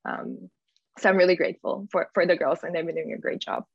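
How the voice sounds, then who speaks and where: Woman, gravelly fry, informal interview talk, rambling phrasing, slightly dull recording. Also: fairly low pitch, wildly swooping pitch, a little fast. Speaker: guest, community founder. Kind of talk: conversational interview answers. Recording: echoey room, slightly dull audio.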